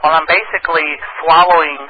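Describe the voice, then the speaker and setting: Deadpan prank-calling radio host man. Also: on the high side, fairly quick. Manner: deadpan, teasing. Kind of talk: prank phone call. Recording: dull lo-fi radio recording, faint noise.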